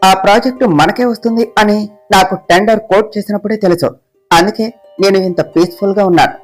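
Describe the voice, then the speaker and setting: A man's voice: sits high, fairly even intonation, fast, faint music behind. A woman doing a curt young boss. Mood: calm, businesslike. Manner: curt, scolding. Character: stern young male boss, short-tempered and bossy.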